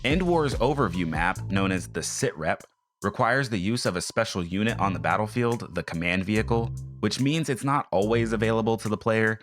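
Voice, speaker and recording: A man's voice: fairly low pitch, normal speed, faint music behind. A man narrating a scripted video game review as a scathing, sarcastic critique, blunt and full of swearing. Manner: blunt, profane.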